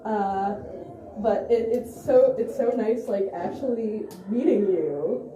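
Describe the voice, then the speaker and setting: A woman playing an awkward, hesitant young amateur investigator who talks haltingly in a found-footage vlog. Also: medium pitch, mellow, lo-fi sound, close to an everyday voice. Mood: nervous. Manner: halting, hesitant, full of restarts. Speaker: video host and interviewer. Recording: roomy echo, faint noise, handheld camera.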